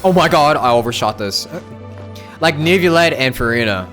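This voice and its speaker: Guy streaming a game, chatty offhand reactions, pitch jumps around, game music behind him. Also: animated, moderate pace, a bit bright. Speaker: game livestreamer. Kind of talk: casual gameplay commentary.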